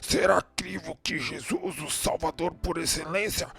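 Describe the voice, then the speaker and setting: A man's voice: fairly high pitch, measured pace, creaky. A man playing the embittered, vengeful spirit of a former slave in a radio drama, declaiming accusations defiantly. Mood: bitter, indignant. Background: music.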